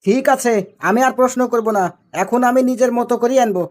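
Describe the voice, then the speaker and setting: A woman plays a cheerfully obtuse husband in a comedy cartoon, in a high voice. The delivery is innocent and stubbornly persistent, with a Rajshahi Bengali accent. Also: fairly even intonation, quick pace, darkish tone, natural voice. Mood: placating, obtuse. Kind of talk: comic cartoon dialogue.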